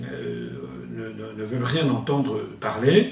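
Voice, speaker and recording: Over noticeable background noise and audible room echo, a man speaks at a moderate pace with ordinary pitch variation. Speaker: political party leader. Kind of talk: political interview. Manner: halting, frequent repetitions and hesitations; not hysterical, explanatory.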